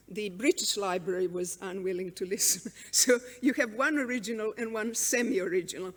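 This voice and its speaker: A middle-aged woman whose first language is Serbian gives a measured, wry conference talk with frequent ums, on a lectern microphone in a large hall. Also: mid-range voice, fairly bright tone. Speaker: conference speaker. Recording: reverberant hall sound.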